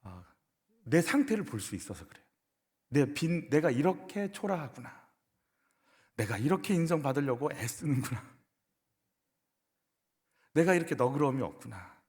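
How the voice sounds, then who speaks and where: Lively, expressive Korean pastor preaching in a reverberant church. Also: male voice, on the high side, moderate pace, pauses often. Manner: emphatic preaching with rhetorical questions to the congregation. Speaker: senior pastor. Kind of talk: sermon. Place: church sanctuary. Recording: echoey church hall.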